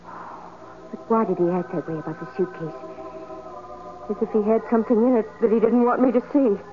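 An actress playing a naive, emotional young bride in earnest, melodramatic 1940s radio style. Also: female voice, mid-range voice, moderate pace, close to an everyday voice. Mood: worried. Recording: phone-like old radio recording, music behind.

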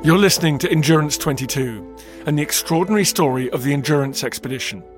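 A man narrating a historical documentary in a measured storytelling way that slows for emphasis. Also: a little high, over music.

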